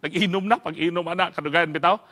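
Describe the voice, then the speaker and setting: A man from the Southern Philippines preaching a sermon, telling an animated story with frequent laughs. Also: high-pitched, a little fast.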